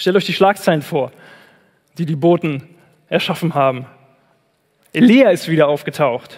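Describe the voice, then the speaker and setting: At a moderate pace, a man with a fairly high voice speaks with lively intonation. His speech has long, frequent pauses. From Kaiserslautern, southwestern Palatinate, Germany. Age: 20s. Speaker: lay preacher at youth service. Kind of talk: sermon. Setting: church youth service with audience.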